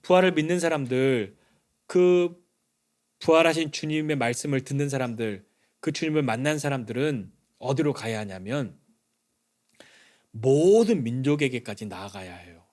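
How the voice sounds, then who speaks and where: A man, a pastor, giving a Sunday sermon in a conversational way, often dropping to soft, low lines for emphasis. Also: expressive, normal speed. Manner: conversational preaching, acts out quoted dialogue.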